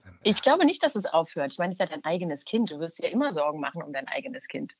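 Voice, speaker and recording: A woman in her thirties, a mother of three, chatting casually and giving frank, lively advice. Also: low-pitched, quick pace, husky, no room sound. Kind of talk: casual chat. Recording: slightly dull, lo-fi sound.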